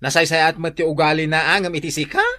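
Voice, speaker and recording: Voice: mid-range voice, fairly even intonation, fast, sharp tone, natural voice. A performer playing a sassy, effusive gay cousin in an Ilocano radio drama, exclaiming and teasing.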